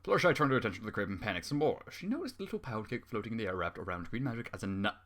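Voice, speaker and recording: A man's voice: lowish voice, big pitch swings, racing, fairly bright tone. A man reading fan fiction aloud with running commentary, exasperated and sarcastic, swearing often.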